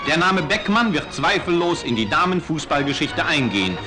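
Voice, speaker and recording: Male old-newsreel announcer, fairly high voice, upbeat and rhythmic, scripted 1950s narration. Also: big pitch swings, moderate pace. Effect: old newsreel playback. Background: music.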